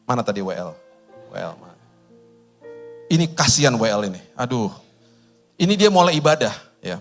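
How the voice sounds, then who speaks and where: A man's voice: mid-range voice, a bit bright. A middle-aged man preaching a sermon at a church service, telling personal stories and pressing his point with emphasis. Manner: storytelling, tender then emphatic, acts out dialogue. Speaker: pastor. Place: church stage.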